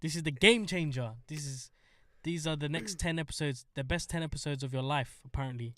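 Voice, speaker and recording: A young man co-hosting a podcast in animated, jokey banter. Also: a little high, brisk. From England. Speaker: podcast co-host. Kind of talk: casual chat. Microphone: podcast mic, close.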